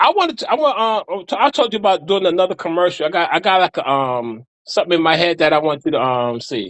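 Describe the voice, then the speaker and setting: A man with an American accent talks at a very fast pace. His high voice swings very widely in pitch. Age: 60s. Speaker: former mayoral candidate. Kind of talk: casual chat. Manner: halting.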